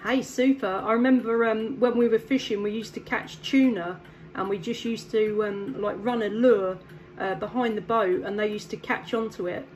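A woman's voice: mid-range voice, steady tone, normal speed, darkish tone, rough recording. Upbeat English woman on CB radio. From south east England. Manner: friendly, upbeat, ends turns with "back to you". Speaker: CB radio operator. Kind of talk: casual radio chat.

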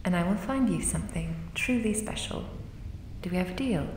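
A woman voicing a lovesick female ghost in an audio roleplay, whispering softly and intimately as she turns quietly sinister. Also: lowish voice, normal speed, a little hiss or hum. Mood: teasing. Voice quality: soft breathy whisper. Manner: intimate, doting, calmly sinister. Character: lovesick female ghost, tender yet deadly. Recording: roomy, distant mic.

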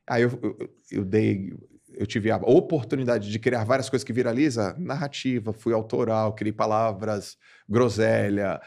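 Man, 40s, from Brazil, podcast guest, gravelly voice, animated storyteller. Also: moderate pace. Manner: animated storyteller, jumps in pitch for emphasis, slangy. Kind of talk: casual podcast chat.

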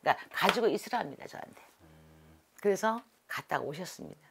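Middle-aged woman, shaman, husky voice, lively swooping pitch, dramatic storyteller. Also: fast. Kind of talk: storytelling interview.

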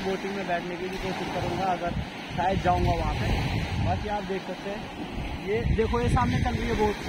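A man records a casual travel vlog outdoors, talking straight to his viewers with eager chatter. His voice sits high, and steady outdoor noise runs under it from a simple camera mic. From Indian hill region. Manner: chatty, excited, addresses viewers as bhai. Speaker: travel vlogger. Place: outdoors by the sea and in a coconut grove. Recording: noisy outdoor camera audio.

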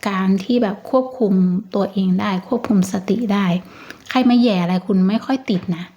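Reassuring woman tarot reader talking casually, medium-pitched, lo-fi recording. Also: normal speed. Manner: chatty, gentle, reassuring, with many fillers. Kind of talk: casual tarot reading monologue.

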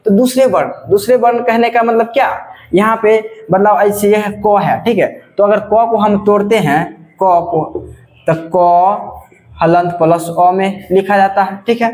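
A male teacher giving a classroom grammar lesson, drawing out example sounds slowly and saying "ठीक है" again and again. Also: high-pitched, darkish tone, roomy sound.

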